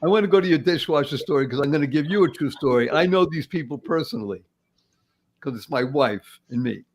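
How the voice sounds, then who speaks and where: Animated man in his seventies, podcast host. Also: fairly high pitch, fairly quick, rough recording. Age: 70s. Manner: animated, laughs often, repeats words. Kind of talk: casual podcast conversation.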